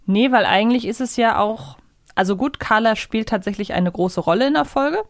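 A woman's voice: fairly high pitch, normal speed, no echo, clean studio sound. A woman in her thirties hosting a podcast in a casual, chatty style. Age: 30s. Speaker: podcast host. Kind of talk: casual chat.

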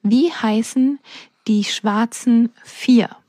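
Woman in her 30s sending in a quiz message, slow, breathy, highish voice, super dry sound. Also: warm tone, no echo. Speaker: listener sending in a quiz question. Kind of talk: recorded listener message.

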